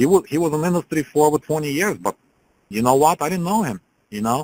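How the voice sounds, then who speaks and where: A man with a non-native accent, fairly high in pitch, very fast and lively in intonation, with a dry, close sound and no echo. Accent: has a foreign. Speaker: online business coach. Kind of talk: motivational talk. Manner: energetic, animated.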